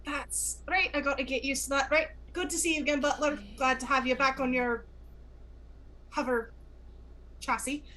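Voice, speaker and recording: A woman's voice: high-pitched, steady tone, moderate pace, pauses often, sharp tone, a little hiss or hum. A woman playing a tabletop game, chatting and narrating what her character does. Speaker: player. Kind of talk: tabletop role-play chat.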